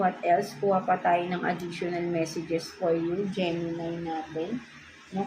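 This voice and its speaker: A woman with a Filipino accent giving a casual tarot reading, chatty and ending almost every phrase with a questioning "no?". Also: lowish voice. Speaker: tarot reader. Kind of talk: casual tarot reading, mixing Tagalog and English. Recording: clear background noise.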